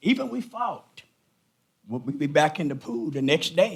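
With a Southern US accent, a man speaks at a fairly high pitch. His pitch swings very widely at a moderate pace. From Tennessee. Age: 60s. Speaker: pastor speaking at public comment. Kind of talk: public comment at council meeting. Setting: city council meeting.

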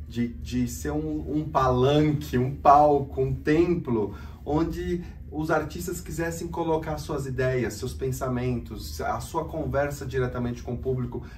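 The man speaks at a fairly slow pace. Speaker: theatre manager. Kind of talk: interview.

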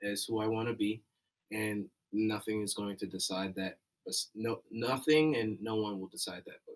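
A man talks at a moderate pace with long, frequent pauses. His pitch is fairly low, and the background is quiet. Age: 20s. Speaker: college student; panelist. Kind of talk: webinar discussion. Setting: video webinar. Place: office.

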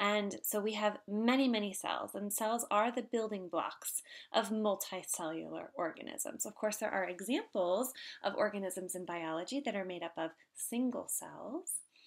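A woman's lively intonation at a moderate pace. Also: quiet background. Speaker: biology instructor. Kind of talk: lecture. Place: home room. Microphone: webcam.

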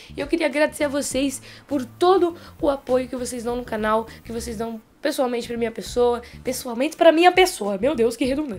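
An animated tone with ordinary pitch variation. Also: woman, high pitch for a woman. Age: young. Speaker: gaming YouTuber. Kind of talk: casual vlog. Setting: home recording.

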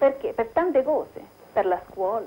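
Her pace is moderate. The woman's intonation is lively. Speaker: working-class mother interviewee. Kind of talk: street interview, personal testimony. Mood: aggrieved, indignant. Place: home room. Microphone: old recording.

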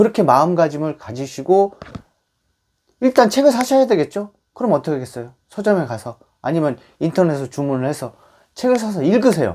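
A fairly quick pace broken by long, frequent pauses. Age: 30s. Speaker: YouTuber and metalworker sharing personal story. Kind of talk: personal testimony monologue. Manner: unscripted, somewhat halting.

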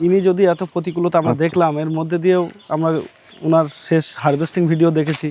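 A man with a fairly high pitch speaks in a dark, mellow tone, monotone and flat, at very even loudness. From India, West Bengal, Nadia district. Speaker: visiting fish farmer. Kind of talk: on-camera interview statement.

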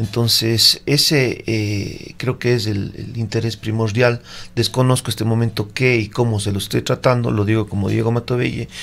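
Hardly pausing, a man speaks at a moderate pace in a monotone, flat intonation. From Cuenca, Ecuador; Ecuador. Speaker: politician, legislator; politician. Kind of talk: radio interview. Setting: studio. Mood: serious, explanatory. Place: studio. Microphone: studio mic.

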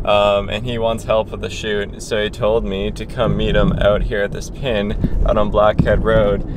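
A man talks at a moderate pace. The sound is dry with no echo, though background noise is noticeable. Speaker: vlogger. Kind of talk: casual vlog chat. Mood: upbeat, relaxed. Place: car. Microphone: phone near.

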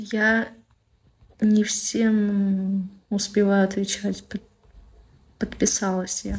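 At a very slow pace, a woman speaks with long, frequent pauses and monotone, flat intonation. Her medium-pitched voice is somewhat breathy. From Russia. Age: 20s. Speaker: live streamer. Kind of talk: casual live stream chat. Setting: live stream on camera. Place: home room. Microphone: phone near.

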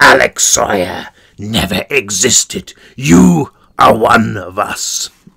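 A man uses a put-on character voice, raspy and fairly low, at a fairly slow pace. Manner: sinister, menacing.

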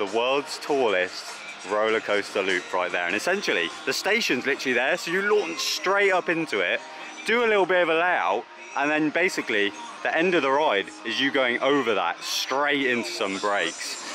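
Music plays clearly in the background as a man speaks. The sound is dry, with no echo. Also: moderate pace. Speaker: vlogger. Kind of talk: casual vlog chat. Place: street. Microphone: phone near.

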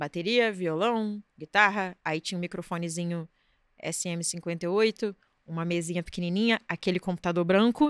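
A woman speaks at a fairly slow pace with a fairly low pitch. The background is quiet. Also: ordinary pitch variation, dry sound with no echo. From Brazil, Niterói (Rio de Janeiro state); Rio de Janeiro state, Brazil. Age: 30s. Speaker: singer and actress; actress. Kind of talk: casual interview chat. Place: studio. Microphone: studio mic.

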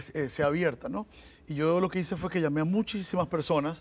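Fairly quick, fairly high-pitched male speech with ordinary pitch variation. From Venezuela, Maracaibo (Zulia); Zulia, Venezuela. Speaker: flautist; guest. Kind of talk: TV interview. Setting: studio with audience. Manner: halting. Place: studio. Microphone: lapel.

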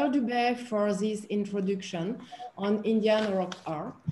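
A woman with an ordinary speaking voice, ordinary pitch variation and a fairly slow pace. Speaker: diplomat. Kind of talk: formal introduction.

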